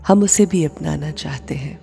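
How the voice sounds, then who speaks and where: A woman leading a guided meditation and prayer, speaking softly in short, measured phrases with long pauses. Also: low-pitched, creaky. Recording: long reverb with music bed. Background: music.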